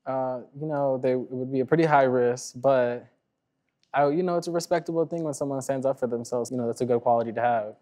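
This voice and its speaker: A young man in his twenties with a medium voice, answering a host's questions on a TV talk show. He talks casually and hesitantly, filling his sentences with little fillers, and sounds relaxed rather than polished. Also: mid-range voice, fairly quick. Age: 20s.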